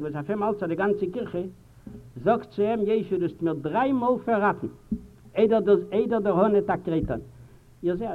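A man in his sixties giving a public lecture, speaking earnestly to the audience and swinging between loud emphasis and quiet asides. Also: high-pitched. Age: 60s. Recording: tinny, hissy 1950s archival tape.

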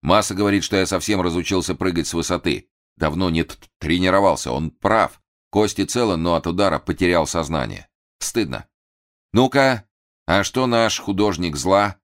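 Brief: man playing a composed detective, slight stammer, firm and measured. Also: low voice. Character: calm, commanding gentleman detective.

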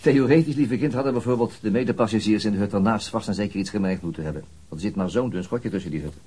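In a naturalistic radio drama, a man plays a methodical middle-aged police detective and father who reasons things through in a dry, reflective way. His voice is on the low side, fast, dark and husky.

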